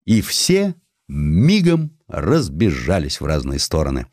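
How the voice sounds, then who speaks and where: A man with a very low voice narrates a historical audiobook in a dramatic, deliberate manner. His delivery is highly animated, with pitch that moves widely. The recording is dry and close, with no room sound. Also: no room sound.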